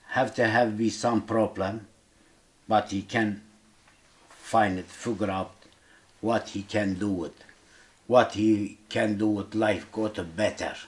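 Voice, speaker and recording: A man with a Kurdish accent interviewing casually in simple, halting non-native English, often repeating words. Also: fairly low pitch, darkish tone.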